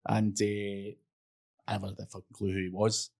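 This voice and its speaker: A man's voice: lowish voice, level tone, normal speed, creaky, a little mellow. A man as a podcast guest, chatting casually, self-mocking and swearing. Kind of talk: casual chat.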